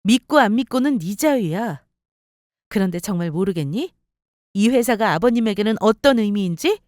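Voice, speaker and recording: A woman voicing a composed wife who calmly mocks and scolds her husband in a story radio drama. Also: mid-range voice, moderate pace, no echo, studio quality, lightly acted. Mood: cold. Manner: cool, mocking, composed. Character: calm, cutting wife who takes over company. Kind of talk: story radio role-play.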